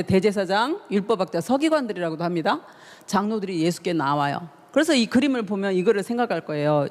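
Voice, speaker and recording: Woman, pastor, youth sermon, storytelling with rhetorical questions, very expressive pitch, reverberant church hall.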